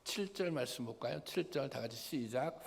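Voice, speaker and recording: In a church sanctuary with long hall reverb, a male pastor preaches a sermon in an animated, gravelly mid-range voice at normal speed. He asks the congregation rhetorical questions and sometimes acts out the figures' quoted lines in a plain conversational voice.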